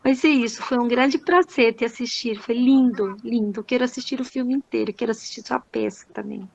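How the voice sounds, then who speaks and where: Older Chilean woman, reflective, high voice. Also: brisk, gravelly, darkish tone, no echo, muffled recording. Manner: reflective, says "né" constantly. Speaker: audience participant. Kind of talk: casual chat. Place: home.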